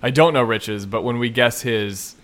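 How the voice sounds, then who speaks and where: A man in his thirties on a podcast, trading dry, deadpan jokes with friends. His voice sits at a middle pitch. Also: normal speed. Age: 30s. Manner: dry joking, deadpan asides. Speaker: podcast co-host. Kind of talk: casual podcast chat.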